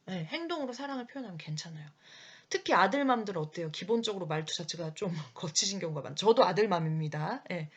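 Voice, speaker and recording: Animated woman instructor in her thirties, slightly husky, explains classroom childcare with vivid asides. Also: lowish voice, muffled recording. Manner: lively, breaks into quick acted quotes of parents and children. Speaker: early childhood education instructor. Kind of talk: explanatory lecture.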